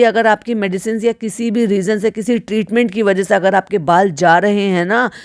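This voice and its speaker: A woman with a mid-pitched voice gives reaction commentary in a scolding, sarcastic tone. The recording is dry and close, with no room sound behind her. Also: no echo.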